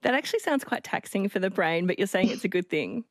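A woman's voice: medium pitch, lively intonation, fast talker, no echo. A woman hosting a radio talk show, interviewing guests and callers in a friendly, conversational way from a studio. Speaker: radio host.

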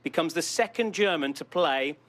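A man's voice: a little high, lively intonation, moderate pace, a bit bright. A man giving chatty, enthusiastic pre-match analysis as a football pundit.

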